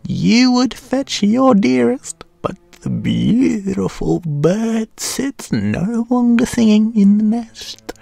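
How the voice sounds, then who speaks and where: A wicked old enchantress with an Australian accent, acted out by a man, pitched far above his own voice. She is mocking and venomous, with a gravelly edge, in a storybook reading over music. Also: sing-song, slow, dark tone, no echo, exaggerated voice. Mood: gloating. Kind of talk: storybook character voice.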